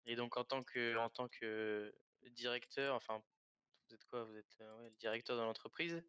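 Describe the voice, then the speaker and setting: A man's voice: mid-range voice, fairly even intonation, normal speed, bright, forceful tone, smooth, dry recording. A man playing a prosecutor in a roleplay court, formal and insistent.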